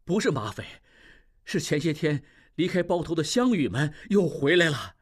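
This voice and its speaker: A man plays a fretful shop assistant in an audio drama, hurried and flustered. His voice is high with a husky grain. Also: very animated. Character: anxious male second shopkeeper, fretful.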